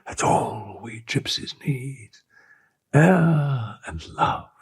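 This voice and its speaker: Audiobook: man doing a lovestruck gypsy girl, breathy and gravelly, begging in soft whispers. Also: on the low side, slow pace, voice pushed up, heavily acted. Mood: passionate. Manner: tender, imploring, swings between whispers and cries. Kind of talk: audiobook character voice.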